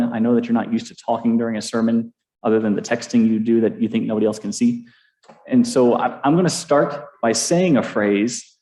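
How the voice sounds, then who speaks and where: A man's voice: mid-range voice, warm tone. Playful preacher man in echoey church. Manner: playful, interactive, self-deprecating humor with the congregation. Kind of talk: sermon. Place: church sanctuary.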